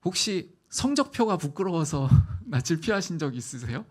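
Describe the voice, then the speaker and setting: A man preaching a sermon as pastor, telling stories with animated, acted-out voices. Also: on the high side, normal speed. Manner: animated storytelling, acting out voices. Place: church sanctuary.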